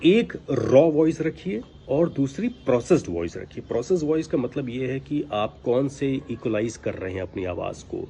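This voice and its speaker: Animated man coaching, noisy background. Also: medium pitch, normal speed, creaky, few pauses. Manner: admonishing, emphatic, rhetorical questions. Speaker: voice-over coach. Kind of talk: informal instructional talk to aspiring voice artists. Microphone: built-in device microphone, no mic attached. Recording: background noise, recorded without external microphone. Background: ambient noise from outside.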